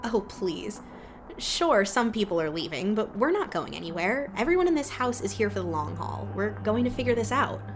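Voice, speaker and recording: An actress playing a stubborn, defiant young woman with an insistent, sharp-tongued manner in an audio drama. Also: medium pitch, sing-song, normal speed. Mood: indignant. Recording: clear background noise.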